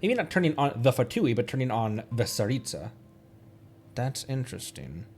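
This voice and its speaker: A man's voice: mid-range voice, sing-song, moderate pace, darkish tone, soft background music. A man giving casual livestream commentary on a game, playfully thinking aloud. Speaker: streamer.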